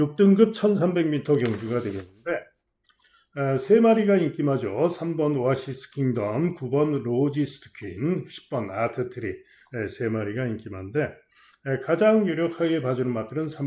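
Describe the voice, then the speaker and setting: This man speaks at a fairly high pitch with very wide pitch swings. His tone is dark and mellow, and his pace is fairly slow. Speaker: horse racing tipster. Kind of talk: race predictions broadcast. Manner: many filler sounds (어, 아, 에).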